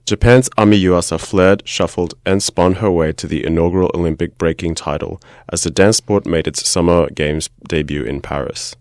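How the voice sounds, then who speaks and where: A man's voice: sits low, steady tone, moderate pace, hardly any pauses, darkish tone, no room sound, studio quality. A man from Australia, a news reporter who chats hesitantly on a podcast and reads an article aloud. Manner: hesitant, many ums and uhs.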